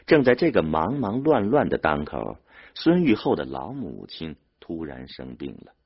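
A man narrating a novel as an expressive audiobook reader. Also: a bass voice, moderate pace, gravelly, slightly rough, faint music behind. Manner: expressive storyteller. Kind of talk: dramatic audiobook reading. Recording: dull lo-fi audio.

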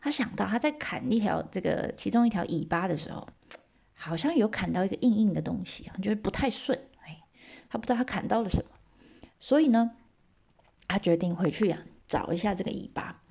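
A woman storyteller, retelling a legend for listeners in a loose, chatty way. Her mid-range voice carries a noticeable gravelly fry. She keeps turning to the audience with little asides and tags. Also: mid-range voice, fairly quick. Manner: lively, asides to listeners, lots of OK and 哈.

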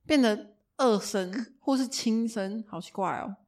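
A woman's voice: fairly high pitch, measured pace, a little mellow. A woman co-hosting a casual podcast chat, telling stories and laughing often. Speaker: podcast co-host.

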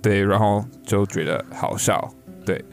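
A podcast co-host chats casually and jokes lightly, his phrasing hesitant and dotted with repeated little confirmations. His voice is on the low side, a little slow and creaky, with guitar music behind it.

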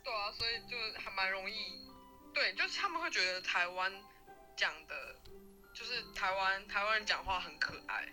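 Very bright young Taiwanese woman guest. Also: medium pitch, moderate pace, soft background music, rough recording. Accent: Taiwanese Mandarin. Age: young adult. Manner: lively, laughing storyteller. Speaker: guest, university student. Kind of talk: casual interview chat.

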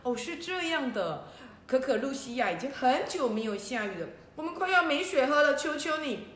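A flustered old storybook king, played by a woman, pleading in a high, anxious voice. The pitch leaps around eagerly. There is a roomy echo. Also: very animated, normal speed, a bit bright.

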